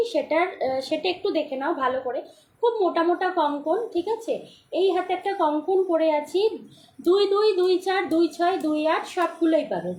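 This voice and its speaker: A hoarse woman hosting a live-stream jewellery sale, repeating prices and often checking that viewers follow. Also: very high voice, a little mellow, echoey room. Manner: repetitive, keeps asking for confirmation. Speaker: jewellery seller. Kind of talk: live-stream sales pitch.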